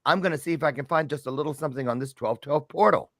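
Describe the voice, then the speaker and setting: Excitable chatty male talk host. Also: fairly high pitch, fast talker, no echo, studio quality. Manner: chatty, excitable, self-deprecating jokes. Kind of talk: casual live-stream chat.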